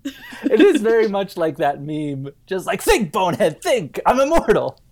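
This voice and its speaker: A woman in casual comedic podcast chat, giggly and sweary, talking in an animated way. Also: mid-range voice, a little slow.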